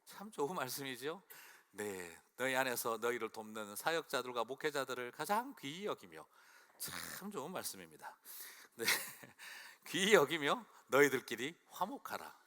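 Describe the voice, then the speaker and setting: A male pastor from Busan preaching a sermon, asking rhetorical questions and slowing down to read scripture. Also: medium pitch, big pitch swings, sharp tone. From Busan, South Korea. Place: church sanctuary. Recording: long church hall reverb.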